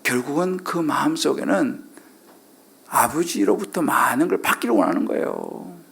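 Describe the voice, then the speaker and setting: Lively, gravelly-voiced man preaching. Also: on the high side, moderate pace. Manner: questioning the congregation, acting out quoted lines. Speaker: pastor. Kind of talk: sermon.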